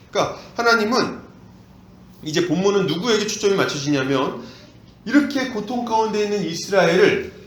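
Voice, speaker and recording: Animated male pastor preaching. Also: high voice, echoey room, slight background noise. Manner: animated, asks the congregation questions. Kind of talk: expository sermon. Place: church.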